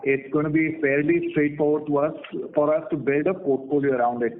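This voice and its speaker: A man's voice: fairly high pitch, fairly even intonation, fairly quick. A male company executive explaining strategy on an earnings call in a methodical way. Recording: noisy narrowband phone line.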